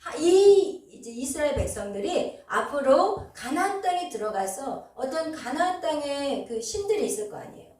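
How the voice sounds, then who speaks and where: A woman pastor teaching a Bible passage to her congregation, explaining as she goes with frequent pauses and fillers. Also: high-pitched, very animated, a little mellow. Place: church sanctuary. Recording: very echoey hall, voice from far off.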